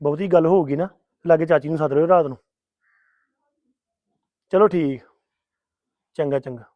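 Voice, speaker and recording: An actor playing an impatient young husband who insists on going home in a family drama. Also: male voice, fairly high pitch, normal speed, no echo, phone-quality sound, close to an everyday voice. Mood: on the phone. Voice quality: insistent, grumbling. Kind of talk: Punjabi family drama acting.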